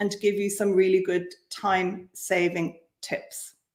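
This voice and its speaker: A woman speaks at a very slow pace. There is audible room echo. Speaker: eco printing teacher. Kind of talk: online workshop lecture. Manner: slow, deliberate.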